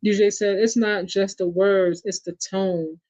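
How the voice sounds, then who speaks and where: A man's voice: high-pitched, flat delivery, unhurried, a little mellow, dry recording. Man, New York accent, chatty sports-show host, reads viewer comments; dry, lo-fi audio. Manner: chatty, addresses the audience as y'all and reads viewer comments aloud. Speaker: podcast host. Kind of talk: casual sports chat. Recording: dull lo-fi sound.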